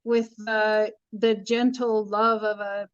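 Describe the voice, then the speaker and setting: A woman's voice: medium pitch, level tone, slow, smooth, dry recording. A middle-aged woman teaching tarot, talking earnestly in a casual spiritual chat, repeating her points for emphasis. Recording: dull lo-fi sound.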